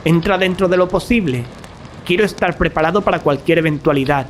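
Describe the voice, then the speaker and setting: An actor playing a resolute, grave young male student in an audio drama, speaking formal Castilian Spanish firmly and deliberately. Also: fairly high pitch, slight background noise, lightly acted. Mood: grave, determined.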